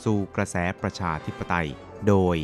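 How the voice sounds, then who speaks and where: A man announcing a radio program in a formal, polite manner. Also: moderate pace. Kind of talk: station announcement. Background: loud music.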